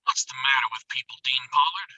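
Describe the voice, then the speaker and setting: Man acting a blustering, domineering father, bright voice. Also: mid-range voice, brisk, slightly rough, lo-fi sound. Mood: stubbornly confident. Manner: brusque, insistent. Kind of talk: table read of a screenplay.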